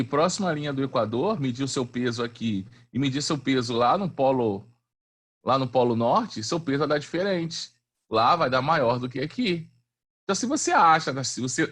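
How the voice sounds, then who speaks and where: A man's voice: a little high, fairly bright tone. A man teaching a physics class online in a chatty, slangy way, often asking the students questions.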